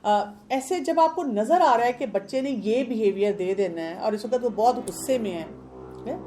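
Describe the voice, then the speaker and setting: A woman's voice: fairly high pitch, expressive, warm tone, slight background noise. A woman with a Pakistani Urdu accent, a parenting expert who explains with everyday examples and questions, mixing English words into her talk.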